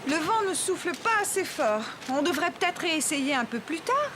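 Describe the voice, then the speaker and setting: A woman's voice: very high-pitched, sing-song, normal speed, heavy background noise. A woman voicing a caring, encouraging mother in a children's cartoon. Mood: affectionate.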